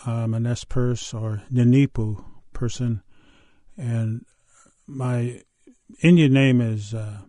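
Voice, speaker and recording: An older man from the US Pacific Northwest telling a folk tale and talking about old recordings, in a halting, unhurried way with many pauses and fillers. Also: mid-range voice, steady tone, warm tone, dry recording, clean studio sound. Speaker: storyteller. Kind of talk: oral storytelling and interview.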